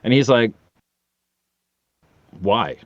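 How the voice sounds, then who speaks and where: A man in his forties, an audio drama voice actor appearing as a podcast guest, chats casually and tells anecdotes while acting out the dialogue. His mid-range voice is very slow, and the audio is dull with no room sound.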